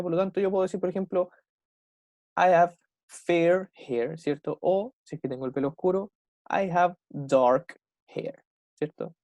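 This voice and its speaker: Chilean teacher, keeps asking "¿cierto?". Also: male voice, on the high side, darkish tone, no room sound. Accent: Chilean Spanish. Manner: slows right down to model English phrases. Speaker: English teacher. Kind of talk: online class explaining vocabulary.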